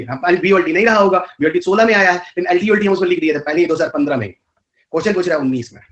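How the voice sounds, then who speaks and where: The recording is muffled, and the man's voice is a little high and slightly bright. Teaching a live online exam-prep lecture with a rural north Indian Hindi accent, he scolds his students and fires rhetorical questions in quick colloquial Hindi blended with English terms.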